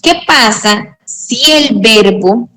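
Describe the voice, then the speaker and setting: A woman teaching English grammar in a slow, patient way, often checking that students follow. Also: a little high, expressive, pushed and bright, low-quality recording. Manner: slow, patient explaining with frequent check-ins. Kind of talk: online tutoring lesson.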